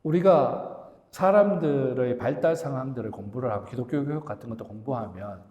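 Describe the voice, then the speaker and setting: A middle-aged pastor preaches to his congregation in a brisk, warm, medium-pitched voice, addressing them directly and acting out the complaints of Bible figures. The church sanctuary gives a long, echoey reverb, and the recording's highs are cut off.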